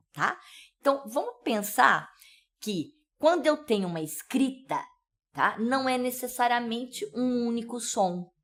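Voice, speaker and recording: Woman, São Paulo accent, lively and unhurried pronunciation teacher, keeps checking in. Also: on the high side. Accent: São Paulo Brazilian Portuguese. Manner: explanatory, with frequent "né?" and "tá?" check-ins. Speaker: English teacher. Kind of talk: pronunciation lesson.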